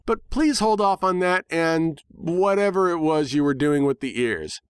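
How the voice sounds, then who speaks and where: A tomboyish female cartoon pony, played by a man, pitched up and irritable. The speech is curt, wry and impatient, with lively intonation and a dry, close sound. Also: measured pace, smooth, no echo. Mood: reluctant, exasperated.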